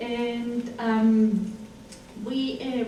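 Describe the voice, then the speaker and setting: With an Argentine accent, a high-pitched woman speaks in a monotone, flat way, with audible room echo and noticeable background noise. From Argentina, Buenos Aires. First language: Spanish. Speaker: nutrition educator. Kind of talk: lecture. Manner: halting, many fillers.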